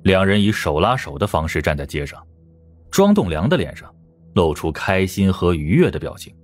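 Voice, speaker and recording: A man's voice: low-pitched, sing-song, normal speed, faint music behind. A man narrating a crime audiobook in a scripted, dramatic storytelling style.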